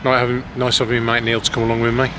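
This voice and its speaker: Male amateur vlogger, Black Country accent, hesitant and rambling casual delivery, mid-pitched voice over clear car noise. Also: monotone, very fast. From West Midlands, England. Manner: hesitant, self-conscious, rambling. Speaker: amateur vlogger, lorry driver. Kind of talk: casual vlog chat to camera. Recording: clear road and vehicle noise.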